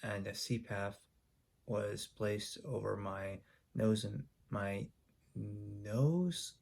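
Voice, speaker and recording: A man recounts a personal story for his video channel. His voice sits low with a gravelly texture, and he speaks in a flat, even tone. His delivery is halting, full of ums and restarts. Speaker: YouTuber.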